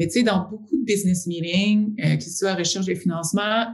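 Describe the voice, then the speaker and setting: Moderate pace over noticeable background noise. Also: woman. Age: 30s. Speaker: entrepreneur. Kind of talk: interview.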